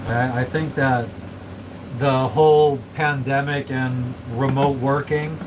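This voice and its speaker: Male vlogger, monotone casual rambler, middle pitch, noisy recording. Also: slow. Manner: rambling, swears a lot, self-described monotone. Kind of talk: casual chat. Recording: noisy room with air conditioning and traffic hum.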